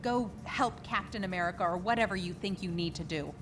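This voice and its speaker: Actress as low-voiced, dismissive woman. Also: a little fast, over music, lightly acted. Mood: grudging, cool. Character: cool, grudging woman giving a warning. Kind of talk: video game cutscene acting.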